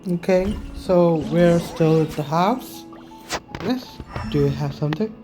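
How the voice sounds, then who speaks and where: A woman plays through a game and talks as she goes, at a very unhurried pace and with a slightly low voice. She thinks aloud in short, halting, casual bits, with game music clearly playing behind her. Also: dark tone. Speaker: gaming video creator playing through a story quest. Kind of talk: casual gameplay commentary.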